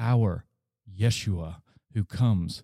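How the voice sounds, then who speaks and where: An ordinary speaking voice: a man, fairly low-pitched, with ordinary pitch variation, in a dry, close sound with no echo on a very clean recording with a silent background. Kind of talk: guided prayer. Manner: fervent, earnest.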